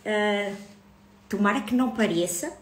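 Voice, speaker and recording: A woman in her thirties with a European Portuguese accent hosts a casual live stream about her book club, chatting and greeting viewers. Her mid-range voice is a little slow, and the sound is roomy.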